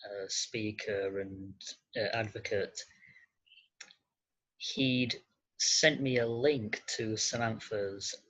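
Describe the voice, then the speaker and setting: A podcast guest whose voice sounds masculine, medium in pitch and a bit bright, gives conversational answers in a hesitant, halting way. The audio is slightly muffled.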